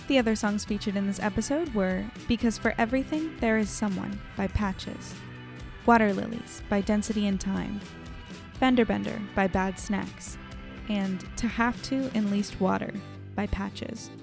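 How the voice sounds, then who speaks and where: A woman hosting a podcast, reading scripted credits as its creator. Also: medium pitch.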